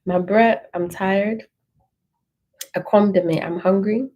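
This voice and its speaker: A woman teaches a relaxed language lesson and repeats each phrase so learners can follow along. Her voice is mellow and a little husky, and she speaks at an unhurried pace. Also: mid-range voice, dull audio. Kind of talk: relaxed language lesson, reading through an ebook.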